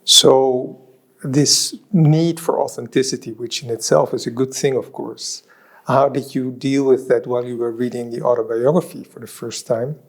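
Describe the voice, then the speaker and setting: A man interviewing a guest, asking measured, leading questions. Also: medium pitch, fairly even intonation.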